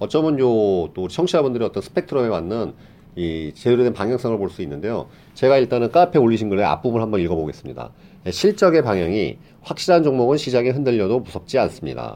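A man speaks at a very fast pace, his medium-pitched voice dark and mellow in tone. His pitch swings very widely. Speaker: stock podcast host. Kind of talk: casual chat. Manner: clear, crisp delivery.

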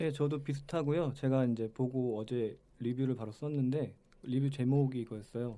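A man speaks at a medium pitch with a dark, mellow tone. His intonation stays fairly even, and his pace is fairly quick. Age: 30s. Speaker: film and dating blogger. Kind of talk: casual chat.

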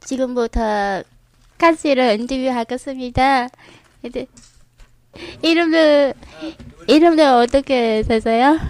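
A woman's high-pitched voice at a very slow pace, with long, frequent pauses, ordinary pitch variation and a dry, close sound with no echo. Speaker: migrant participant in radio workshop. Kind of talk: peer interview in halting Korean. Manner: halting.

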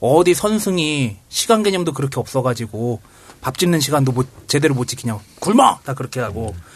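The voice is somewhat breathy, moving at a fairly quick pace with very wide pitch swings. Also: man, medium pitch for a man. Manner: animated.

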